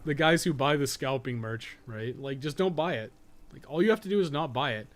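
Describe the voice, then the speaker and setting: He's a man streaming a game live, rambling and thinking aloud as he plays, and swearing bluntly at every turn. His mid-range voice is brisk with lively intonation. The recording carries noticeable background noise.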